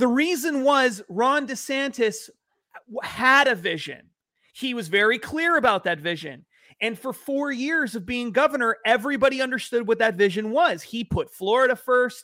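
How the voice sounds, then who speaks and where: A man projects his raised voice at an extremely high pitch, his tone bright and sharp and his intonation lively. He keeps a moderate pace, and the recording is very clean with a silent background. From New England. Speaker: author and editorial director. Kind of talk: political panel discussion.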